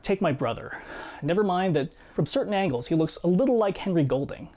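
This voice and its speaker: A man in his thirties reading a scripted personal video essay in a measured, reflective way, seated in a small home studio. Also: high voice, animated. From United States. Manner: measured, reflective storytelling with quiet asides. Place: small home studio room with guitars and shelves.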